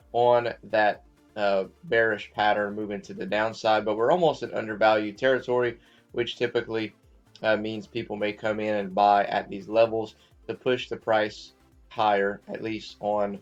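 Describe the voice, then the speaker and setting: A man talks loosely to his viewers about stocks, filling the gaps with "um" and "uh" and often asking "okay?" His voice sits a little low. The audio is dull and lo-fi, with faint music underneath. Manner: loose and chatty, many fillers, checks in with "okay?". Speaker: finance channel host. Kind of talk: casual market commentary to viewers.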